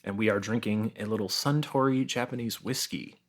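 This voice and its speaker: A man's voice: lowish voice, fairly quick. Young American man chatting casually. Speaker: podcast guest. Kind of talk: casual chat.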